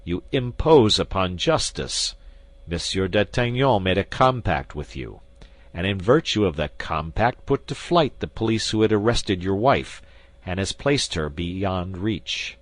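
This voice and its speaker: A man's voice: deep voice, lively intonation, measured pace, no room sound. A man playing a stern interrogating commissary. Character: stern, pompous male police commissary.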